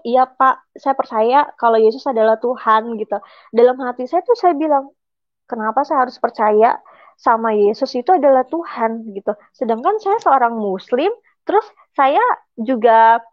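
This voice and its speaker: A young woman telling her personal conversion testimony in a halting, emotional way, with many fillers and restarts. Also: a little high, dry recording, lo-fi sound. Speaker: testimony giver.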